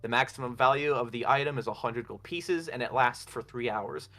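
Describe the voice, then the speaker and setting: Calm man explaining game rules. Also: mid-range voice, fairly quick. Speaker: player.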